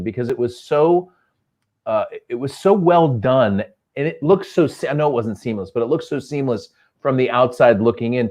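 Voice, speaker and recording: A man's voice: mid-range voice, a little mellow, dull audio. A man hosting a live interview show, introducing his guest and encouraging her to tell her story. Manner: encouraging, sets up the guest and reacts with short interjections. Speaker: host.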